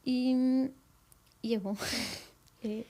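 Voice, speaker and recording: Portuguese woman, young, soft halting interview talk, mellow and a bit high. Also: steady tone. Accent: European Portuguese. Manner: soft, halting, many restarts and fillers. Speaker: guest. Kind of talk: personal interview.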